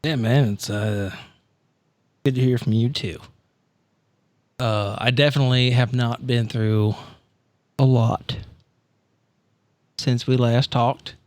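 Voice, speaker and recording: A male player in a tabletop game talks casually in character. He is wry and halting, rambling through his thoughts at a middling pitch, recorded very dry. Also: fairly even intonation, darkish tone, dry recording. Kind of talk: casual improvised role-play in an everyday voice.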